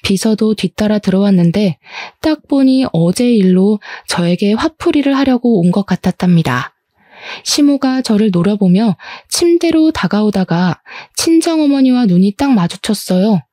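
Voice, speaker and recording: Woman, scripted story narration, confiding, emotional, mellow, dry close sound. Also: mid-range voice, animated, moderate pace, no echo.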